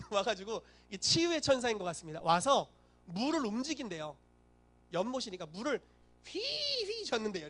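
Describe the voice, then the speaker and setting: A man's voice: sits high, fairly bright tone. A male pastor preaching a sermon, telling the story animatedly and acting out the voices he quotes.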